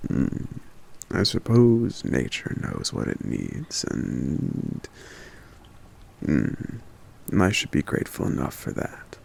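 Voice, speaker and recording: Casting: male actor for a gentle forest giant, deep and heavily creaky, musing and intimate, ASMR roleplay. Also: wildly swooping pitch, slight background noise, full character voice. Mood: calm, content. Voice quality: very deep, gravelly. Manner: slow, musing, hesitant, with soft hums. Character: gentle, contented giant man living in the forest. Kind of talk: ASMR roleplay, soft intimate character monologue.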